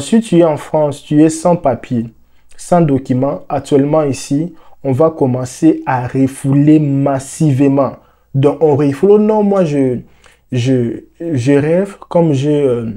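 A young Congolese man explaining the news to the camera, with lots of repeated words and fillers, on a lapel mic in a dark room. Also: a little high. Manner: animated, repeats words, many "euh" fillers. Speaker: vlogger.

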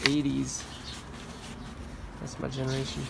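A man's voice: mid-range voice, completely flat delivery, measured pace, gravelly, heavy background noise. A man in his forties chatting casually and curiously as he sorts through boxes of old items outdoors, talking over what each might be worth. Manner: chatty, curious, appraising finds aloud. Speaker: storage locker reseller, channel host. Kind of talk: casual unboxing chat. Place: outdoors on a sunny trailer by storage units.

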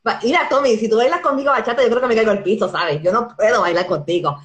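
A woman's voice: a little high, fast talker, a little hiss or hum. Playful woman host in her forties, echoey room. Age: 40s. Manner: playful, teasing, laughs often. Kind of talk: live stream interview. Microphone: phone camera on a video call.

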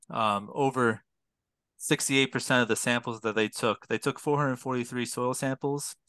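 A man's voice: mid-range voice, a bit bright, clear, resonant tone, dry recording. A young man explaining research in detail on a video call, with frequent fillers and restarts. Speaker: public health PhD student, guest. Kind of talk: explanatory interview talk. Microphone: headset on video call.

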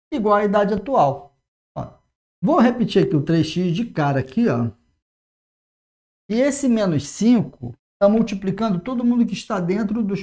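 A man in his forties with a Brazilian Portuguese accent, teaching math at a whiteboard. He talks energetically to the viewer and slows down to spell out each step as he writes. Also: high voice, darkish tone. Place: classroom in front of a whiteboard. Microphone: lapel mic.

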